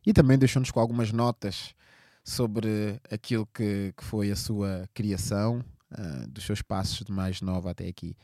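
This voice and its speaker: A man's voice: fairly low pitch, fairly even intonation, normal speed, mellow, dry recording, studio quality. A man hosting a podcast, greeting listeners and questioning his guest with formal courtesy. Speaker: podcast host. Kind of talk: conversational interview.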